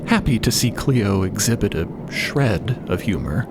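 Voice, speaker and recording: Slow, measured male audio drama narrator. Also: fairly low pitch, animated, heavy background noise.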